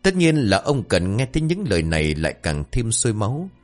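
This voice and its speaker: Male horror narrator, low voice, lively dramatic delivery, faint music bed. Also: fairly quick. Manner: dramatic, expressive. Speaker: storyteller.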